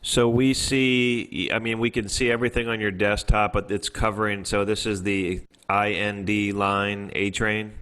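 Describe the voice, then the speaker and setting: A man's voice: on the low side, little pitch movement, measured pace, hardly any pauses, a bit bright, clean tone, low-quality recording. A man on a video call, telling the teacher what shows on her shared screen.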